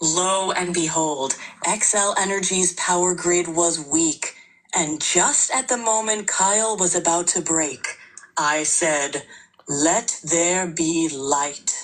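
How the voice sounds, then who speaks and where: A booming, put-on character voice at middle pitch moves along at a very slow pace. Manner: booming, grand, proclaiming.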